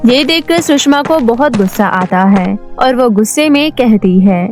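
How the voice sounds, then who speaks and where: High-voiced woman storybook narrator. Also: measured pace, faint music behind. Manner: steady storytelling.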